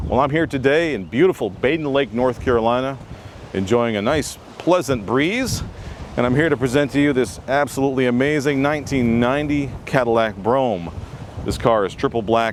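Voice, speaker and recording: This man talks at a fairly quick pace with a medium pitch and ordinary pitch variation. Noticeable background noise runs behind him. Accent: American. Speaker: car dealer. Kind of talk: sales pitch. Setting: outdoors.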